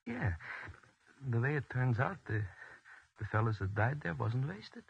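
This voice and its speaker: A man's voice: mid-range voice, very animated, a little slow, vocal fry, breathy edge, lo-fi sound, heavily acted. An actor playing an eager young son who stammers when he argues, in a 1940s radio drama.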